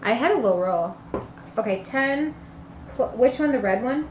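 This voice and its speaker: A woman's voice: fairly high pitch, lively intonation, moderate pace, darkish tone. A woman chatting casually as she plays a tabletop game with others. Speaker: game player. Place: indoor room, group around a game table. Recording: roomy, dull lo-fi live stream with noise.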